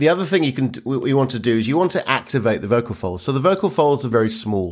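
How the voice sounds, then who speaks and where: A man speaks with a British accent. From UK. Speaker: voice coach. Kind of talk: tutorial. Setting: video call.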